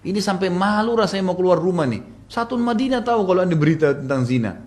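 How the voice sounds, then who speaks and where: A young wife , voiced by a male preacher, pleads in tears, her voice pitched up and wavering. She sounds wounded and desperate to be believed, and her voice stays high throughout. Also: lively intonation, fast talker, a little mellow. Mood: distraught. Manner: tearful, pleading. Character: young wife grieving, falsely accused.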